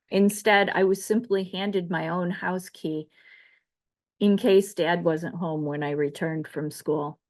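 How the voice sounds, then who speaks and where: A middle-aged woman from the Chicago area, reading her own memoir essay aloud in a measured, reflective way. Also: on the low side. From Chicago area, United States. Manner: measured, reflective delivery of a prepared text. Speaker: author.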